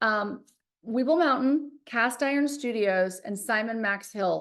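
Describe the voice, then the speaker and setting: A woman speaks at a fairly slow pace in a normal speaking voice, her pitch fairly high with ordinary variation. The background is quiet. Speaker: acting teacher. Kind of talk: workshop talk. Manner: casual.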